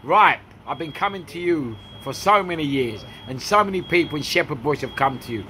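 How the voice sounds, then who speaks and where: A man interviewing a cafe owner on a handheld phone, excitable, laughing often and tripping over his questions. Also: fairly high pitch, fairly quick, a little hiss or hum. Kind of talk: casual street interview. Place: small cafe, indoors.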